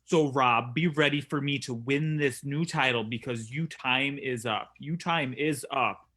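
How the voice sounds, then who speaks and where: A man's voice: mid-range voice, a little slow, sharp tone. A man playing a tough, cocky young wrestling prince, delivering a defiant theatrical promo. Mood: taunting. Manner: taunting, defiant.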